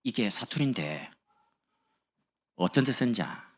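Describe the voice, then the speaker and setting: A man's voice: medium pitch, sing-song, a little slow. A man preaching as a pastor, speaking in a chatty, humorous sermon to his congregation in a church. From Busan, South Korea. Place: church sanctuary.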